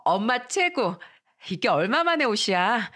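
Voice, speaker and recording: A woman voicing a poor young schoolgirl, shrill and pleading, in a radio drama reading. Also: very animated, measured pace, fairly bright tone. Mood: delighted.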